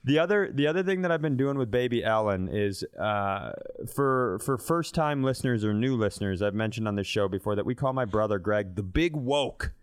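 A man's voice: lowish voice, expressive, fairly quick, few pauses, smooth, dry recording. Irreverent man telling comic stories, dry close sound. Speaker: comedy podcast co-host. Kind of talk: casual comedic storytelling.

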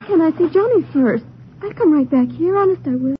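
A woman's voice: very high voice, animated, brisk. A woman playing an earnest, anxious, lovestruck young Mexican girl in a 1950s radio drama, pleading and emotional. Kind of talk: 1950s American radio melodrama acting. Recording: tinny, noisy vintage radio recording.

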